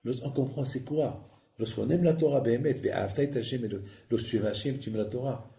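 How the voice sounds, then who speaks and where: A man, a rabbi, preaching a sermon and telling stories with lively acted-out dialogue. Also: mid-range voice, brisk, gravelly. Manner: lively storytelling, acts out dialogue. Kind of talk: sermon with anecdotes. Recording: echoey hall with faint noise.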